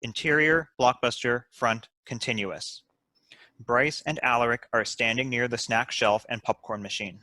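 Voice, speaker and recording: Guy reading script directions, bright voice, mid pitch, dry sound. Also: steady tone, unhurried, no echo. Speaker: stage direction reader. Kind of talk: scripted narration at a table read.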